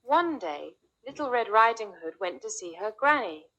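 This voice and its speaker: Female narrator for a kids' story, slow and clear, slightly high, bright tone. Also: very animated. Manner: slow, clear and deliberate for young learners.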